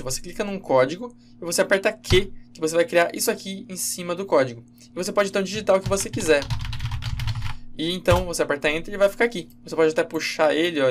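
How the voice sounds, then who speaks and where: A man giving a casual, halting screen-recorded programming lesson, with many fillers and self-corrections. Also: on the high side, a little hiss or hum. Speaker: game development instructor.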